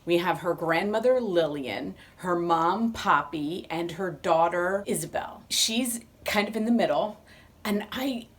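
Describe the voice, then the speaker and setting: A woman's voice: fairly low pitch, unhurried. A woman in her fifties chatting enthusiastically to camera as she reviews a book she loved. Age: 50s. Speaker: book vlogger.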